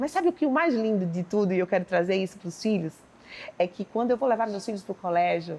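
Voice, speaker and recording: A woman's animated, medium-pitched voice at a very fast pace, with lively intonation. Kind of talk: podcast interview, testimony.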